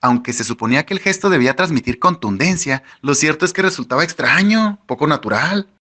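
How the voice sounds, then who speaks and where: A man narrating an audiobook in the first person, with wry, animated storytelling. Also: on the high side, fast talker.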